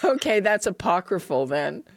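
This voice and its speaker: A woman's voice: mid-range voice, very animated, normal speed, gravelly, dry recording. A woman hosting a radio panel discussion, chatty and playful. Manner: playful, chatty, laughs easily. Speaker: radio host.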